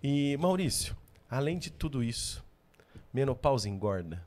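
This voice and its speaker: A man's voice: medium pitch, big pitch swings, moderate pace, darkish tone. A Brazilian man with a mid-range voice hosts a podcast. He speaks conversationally and agreeably, affirming the other person and putting questions to them. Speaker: podcast host. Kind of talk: conversational interviewing.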